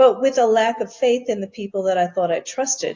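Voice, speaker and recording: At a fairly quick pace, a woman with an unremarkable speaking voice talks in a fairly high pitch with ordinary pitch variation. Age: 60s. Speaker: author. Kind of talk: interview.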